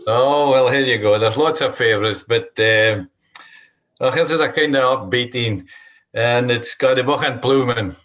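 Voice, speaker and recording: Male guest, broad Doric accent, mid-pitched, crisp bright edge, passionate informal talker. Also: normal speed. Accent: Doric, North East Scotland. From North East Scotland. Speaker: guest, Doric language champion. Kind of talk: informal talk about dialect.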